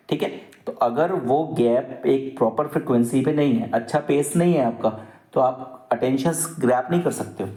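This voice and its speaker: A man's voice: medium pitch, warm tone, echoey room. A male teacher giving an exam-prep lecture, explaining patiently with repeated examples and switching into English sentences. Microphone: microphone.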